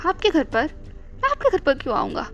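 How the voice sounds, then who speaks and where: A drunk, tearful young man, as a woman storyteller puts him on, begs his lover in a stammering rush, slipping into English as he goes. The voice sits high and strained. Soft music plays underneath the storybook reading. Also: huge pitch swings, a little fast, full character voice. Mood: drunk, babbling. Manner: pleading, stammering, mixing English. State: drunk and crying.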